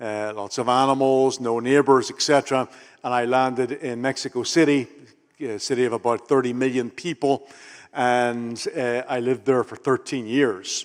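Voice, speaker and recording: On a very clean recording with a silent background, a man with a Northern Irish accent speaks at a moderate pace and medium pitch in monotone, flat intonation. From Northern Ireland, Belfast. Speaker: missionary leader. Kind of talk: sermon.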